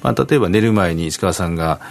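A man's voice: low-pitched, quick pace, creaky. A man, a doctor guest on a radio show, explaining things and acting out short examples in a studio. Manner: explains with animated acted-out examples.

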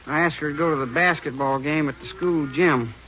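A man's voice: on the high side, a little fast, bright, forceful tone, muffled recording, slight background noise. An actor playing a young, cooperative, plain-spoken small-town handyman in a 1950s radio western. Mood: subdued, frank. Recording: band-limited 1950s radio recording.

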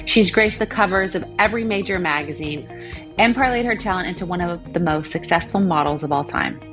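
Upbeat woman hosting a podcast. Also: fairly low pitch. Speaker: podcast host. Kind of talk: scripted podcast intro and interview.

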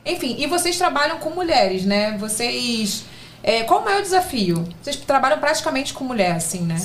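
A woman's voice: high-pitched, very animated, normal speed, a bit bright, a little hiss or hum. A woman hosting a talk show, chatting in a playful, teasing way. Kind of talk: casual chat.

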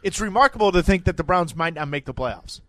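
This is an energetic male co-host on sports radio with a slightly high voice, joking and pushing his points with bursts of volume. The sound is dry and close-miked. He comes across like an analyst riffing with a friend. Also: a little fast, no echo. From Minnesota. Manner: energetic, jokey, swings between loud and soft. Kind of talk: sports talk radio banter.

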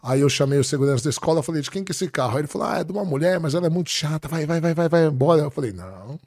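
Brazilian man telling animated anecdotes. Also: fairly high pitch, very fast, gravelly, breathy edge, no echo, studio quality. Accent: Brazilian Portuguese. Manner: animated anecdotes with quoted dialogue. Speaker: podcast guest. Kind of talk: casual storytelling.

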